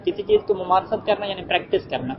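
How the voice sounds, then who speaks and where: A male teacher lecturing a class, explaining an Arabic text line by line, answering his own questions and reading the Arabic slowly. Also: sits high, wildly swooping pitch, a crowd in the background. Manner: asks rhetorical questions and answers them, reads Arabic phrases slowly. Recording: muffled with heavy background noise.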